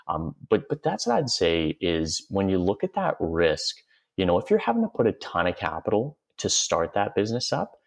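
A man with a very deep voice, answering interview questions in an earnest, reflective way. He talks things through at length and gives his reasons step by step. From Western Canada. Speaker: guest, company CEO.

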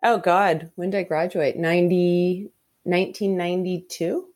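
A woman's voice: lowish voice, fairly even intonation, normal speed, a little mellow. A Canadian woman in her fifties with Hungarian as her first language, telling her career story frankly and chattily as an interview guest. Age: 50s. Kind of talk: candid conversational interview.

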